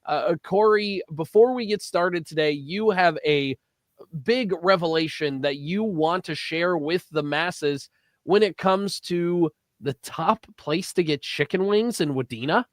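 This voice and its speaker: A man's voice: high-pitched, a little slow, no echo. A man co-hosting a local morning sports radio show, teasing his partner in casual banter. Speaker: co-host. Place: radio studio.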